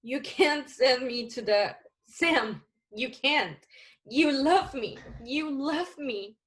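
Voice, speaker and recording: Woman acting a slow, high-voiced pleading femme fatale. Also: animated, a bit bright, full character voice. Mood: desperate, loving. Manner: melodramatic, drawn-out, imploring. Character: pleading, manipulative female noir femme fatale. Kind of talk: 1940s film noir radio acting.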